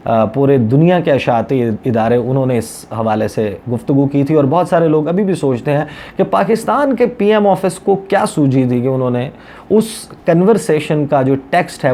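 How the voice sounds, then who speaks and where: Mellow-voiced Pakistani man explaining news. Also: mid-range voice, a little hiss or hum. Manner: explanatory, conversational, Urdu mixed with English words. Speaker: journalist covering foreign policy, presenter. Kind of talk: news commentary addressed to viewers.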